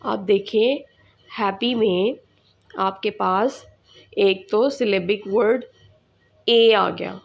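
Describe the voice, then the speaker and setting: A woman teacher, explaining an English lesson slowly and repeating words for her students. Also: medium pitch, gravelly, dull audio. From Pakistan.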